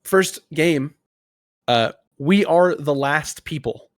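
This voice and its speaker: A man's voice: fairly high pitch, takes it slowly, no echo, studio quality. A man hosting a casual gaming podcast, explaining a quiz in an informal, conversational way. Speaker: podcast host.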